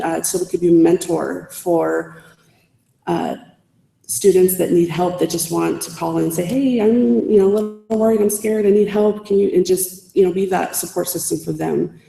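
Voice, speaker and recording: A woman speaks at a podium in a big civic hall, with a very gravelly, fry-heavy voice and a dark tone. She is earnest and halting, full of fillers and restarts. The room is echoey, and a long reverb trails after her words. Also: on the low side. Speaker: student leader giving a speech. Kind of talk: public speech to college faculty.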